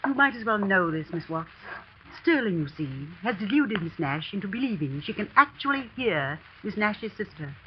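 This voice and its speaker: A woman playing a grave, hushed housekeeper. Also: mid-range voice, big pitch swings, normal speed, natural voice. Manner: hushed, earnest and warning. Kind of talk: 1940s radio acting. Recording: dull 1940s radio broadcast with faint hiss.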